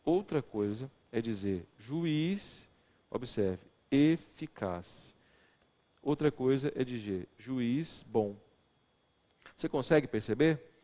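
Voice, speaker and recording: Expressive man teaching a law class. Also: medium pitch, takes it slowly, big-room sound. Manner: expressive, stresses words, asks the class questions. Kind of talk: recorded video lecture.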